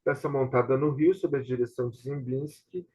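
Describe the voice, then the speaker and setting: A man's voice: mid-range voice, steady tone, normal speed, a little mellow, husky. A Brazilian man hosting a casual online discussion, explaining things and often checking for agreement, recorded over a video call. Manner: explanatory, often seeking agreement with tag questions. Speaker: host and theatre director. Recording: dull, lo-fi video-call audio.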